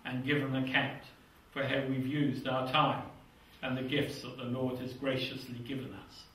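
Preaching with fervent earnestness, an older British man reads scripture in a medium-pitched voice at normal speed, with little pitch movement, softening to a hush at phrase ends. A seated congregation fills the small church hall. Captured on a lapel mic somewhat far from him, the hall sounds echoey.

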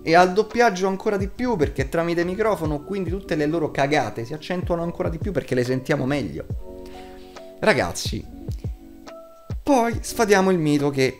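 A man in his twenties giving a casual, opinionated review to camera, blunt, emphatic and quick to swear. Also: a little high, lively intonation, soft background music. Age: 20s. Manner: blunt, foul-mouthed, emphatic. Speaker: video reviewer. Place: small room at home, indoors.

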